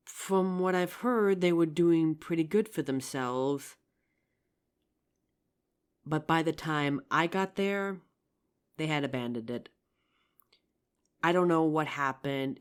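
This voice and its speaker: A performer playing a regretful, tender zombie apocalypse survivor in an intimate audio roleplay, speaking earnestly with hesitant pauses. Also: mid-range voice, clean tone, close to an everyday voice. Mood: somber, gentle. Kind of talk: ASMR audio roleplay, intimate scripted drama.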